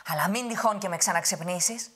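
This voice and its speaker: A woman voicing a grumpy, angry male giant, with a husky voice. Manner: loud, shouting, high-pitched.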